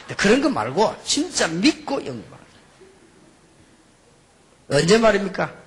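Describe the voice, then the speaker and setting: Animated, high-voiced male preacher, a little husky. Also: normal speed. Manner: animated storytelling, mixes quiet asides with emphatic outbursts. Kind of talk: sermon with anecdotes.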